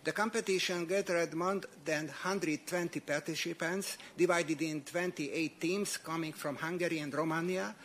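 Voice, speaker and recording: A man's voice: a little high, fairly even intonation, normal speed, hardly any pauses, a bit bright, slight background noise. A man giving a formal prepared statement at a committee debate, earnest and often repeating words as he goes.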